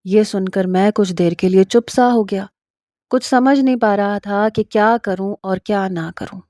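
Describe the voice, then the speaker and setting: A woman narrating a first-person story in a steady, even reading voice. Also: medium pitch, no echo, clean studio sound.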